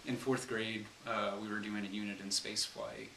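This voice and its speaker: Low gravelly man, brief, from Texas. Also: flat delivery, normal speed, sharp tone, roomy sound, far from the mic, a little hiss or hum, rough recording. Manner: brief, plain answers with fillers. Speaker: aerospace engineer. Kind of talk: interview answers.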